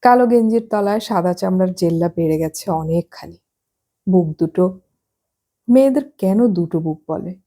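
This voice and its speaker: A woman narrating a novel as an audiobook, reading at an unhurried pace and lightly acting out the dialogue. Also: lowish voice, mellow.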